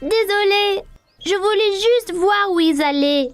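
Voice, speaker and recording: Very high, slow-talking excitable little boy. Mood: playful. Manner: exclaiming, wide-eyed, playful. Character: curious, excitable, kind four-year-old boy. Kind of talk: children's cartoon dubbing. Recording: music under the voice.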